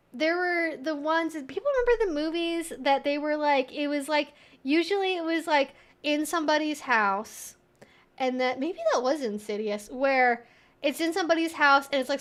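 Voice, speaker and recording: Young woman, higher-pitched voice, livestream host, casual, chatty, rambling. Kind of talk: casual livestream chat, reading and answering viewer comments.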